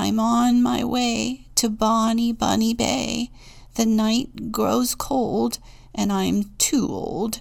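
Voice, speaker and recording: Using a raspy, put-on character voice, a woman talks at a very slow pace. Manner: pleading, feigning weakness.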